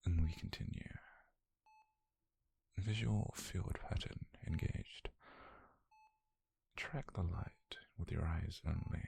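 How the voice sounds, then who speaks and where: A British man playing a detached, clinical scientist in a whispered ASMR roleplay, measured and softly controlling, murmuring notes on a captive subject. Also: heavily acted. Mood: cold, precise. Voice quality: breathy, gravelly low murmur.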